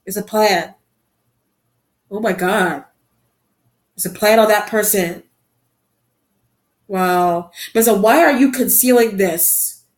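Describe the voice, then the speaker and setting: A woman giving a tarot card reading to her viewers. She talks in a musing, halting way, repeats her phrases and often breaks off to exclaim. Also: mid-range voice. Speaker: tarot reader. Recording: echoey room.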